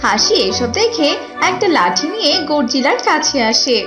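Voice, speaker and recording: Lively high-pitched woman narrator. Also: normal speed. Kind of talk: scripted story narration. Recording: roomy echo, clear music behind.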